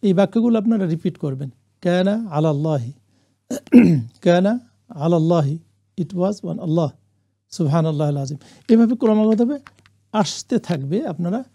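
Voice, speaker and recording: A man teaching the meaning of Quranic Arabic words, reciting phrases slowly for listeners to repeat and adding English glosses. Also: high-pitched, animated, mellow, highs cut off. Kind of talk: classroom lesson on Quranic Arabic.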